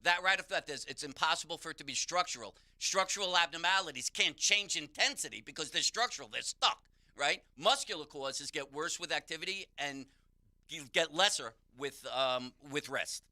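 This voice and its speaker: A man's voice: a little high, lively intonation, normal speed, bright, forceful tone. A man, a pain therapist, explaining how the body works on a call-in radio show. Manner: explanatory, instructive. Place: radio studio.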